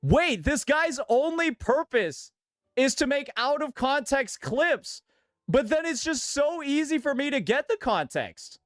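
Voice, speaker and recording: A man's voice: very high-pitched, sing-song, a little slow, fairly bright tone, no room sound, studio quality. A male streamer arguing and sneering through casual reaction commentary, swearing freely. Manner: sarcastic, argumentative, swears freely.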